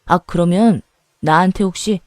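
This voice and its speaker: A pushy, coaxing middle-aged uncle-in-law, read by a woman in a radio story. He talks down to his nephew's wife in a mellow, even voice, and the recording is dry and close. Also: fairly low pitch, unhurried, no room sound, close to an everyday voice. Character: smooth-talking middle-aged male uncle-in-law chasing money. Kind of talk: Korean radio story reading.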